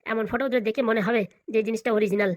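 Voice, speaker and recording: A woman's voice: on the high side, steady tone, rapid-fire, no echo, lightly acted. A woman voicing a deferential, flustered police officer in a comedy cartoon, hesitant and placating. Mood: puzzled.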